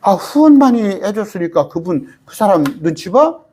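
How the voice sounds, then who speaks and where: Lively Jeolla-accented man preaching. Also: high voice, moderate pace, breathy edge. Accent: Jeolla Korean. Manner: lively, emphatic, folksy preaching with rhetorical questions. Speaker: pastor. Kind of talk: Bible study sermon.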